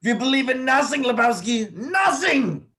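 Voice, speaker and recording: A man's voice: very high voice, sing-song, moderate pace, bright, forceful tone, heavily acted. A man playing a menacing, absurd nihilist thug in a table read. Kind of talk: amateur virtual table read.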